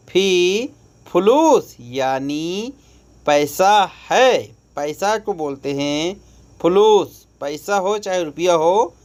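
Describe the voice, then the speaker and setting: Man, Indian accent, language teacher, very slow, repeats and stresses each word. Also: sits high, a little mellow. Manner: repeats each phrase slowly, stressing words. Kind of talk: slow phrase-by-phrase lesson.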